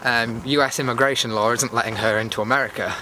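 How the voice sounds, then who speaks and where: A man's voice: medium pitch, fairly even intonation, quick pace, sharp tone, low-quality recording. A British man casually rambling through a chatty, meandering walk-and-talk vlog as its host. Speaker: YouTube vlogger and host. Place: outdoors on a cold evening walk. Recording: clear outdoor background noise.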